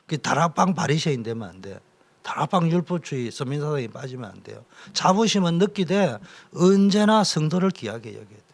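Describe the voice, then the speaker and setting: Male pastor, fairly high voice, very animated, drops to whispers. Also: fairly quick. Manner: emotional, swings from loud exhortation to whispers. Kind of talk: sermon-style training lecture.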